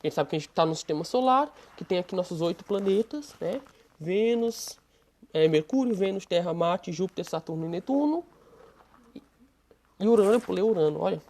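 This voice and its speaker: A woman's voice: on the low side, animated, normal speed, warm tone. Patient Brazilian woman teaching a lesson. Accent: Brazilian Portuguese. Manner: patient, explaining step by step, uses diminutives. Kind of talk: online Portuguese lesson.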